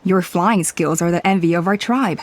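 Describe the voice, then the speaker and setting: A woman's voice: fairly low pitch, slight background noise, natural voice. A woman voicing a dignified tribal elder in a game, speaking formally and courteously. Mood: earnest. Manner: formal, measured, apologetic.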